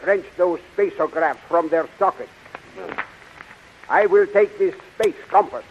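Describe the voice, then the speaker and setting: A commanding scientist in a vintage space adventure. His voice sits high for a man. The old radio recording is dull and faintly hissy. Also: a little slow. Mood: businesslike. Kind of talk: 1930s radio serial acting.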